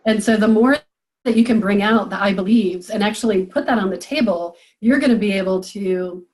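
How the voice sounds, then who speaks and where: A woman's voice: mid-range voice, brisk, a little mellow, poor audio. Encouraging woman business coach. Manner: encouraging, thinks aloud with fillers. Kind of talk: group coaching call.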